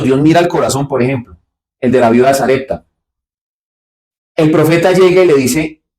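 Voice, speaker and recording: A man preaching a Bible study sermon. He asks rhetorical questions and answers them himself, dropping low for asides and rising sharply on his points. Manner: swings between low, quiet asides and sharp, raised points. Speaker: pastor.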